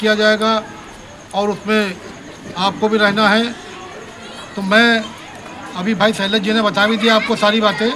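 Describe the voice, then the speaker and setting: Over crowd noise in the background, a man with a high pitch uses a raised, projected voice in a monotone, flat delivery. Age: 70s. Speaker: politician. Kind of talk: public speech.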